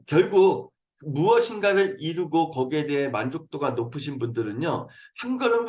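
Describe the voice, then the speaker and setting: Animated earnest Korean motivational speaker man. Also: a little high. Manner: earnest, coaxing, with frequent affirming "네". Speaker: motivational speaker hosting a habit program. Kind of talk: motivational talk. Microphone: video call mic.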